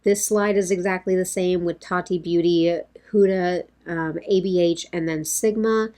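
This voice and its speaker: Casting: woman, 30s, lower pitch, a bit hoarse, chatty rambling vlogger at her desk. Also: fairly even intonation, moderate pace, warm tone. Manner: rambling, talks with her hands. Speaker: beauty vlogger. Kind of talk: casual chatty talk to camera. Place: home makeup room, indoors.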